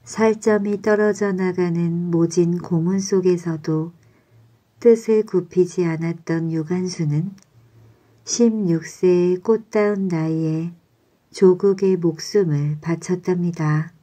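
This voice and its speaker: A woman narrating bedtime stories in a calm, soothing, measured way. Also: fairly low pitch. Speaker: storyteller.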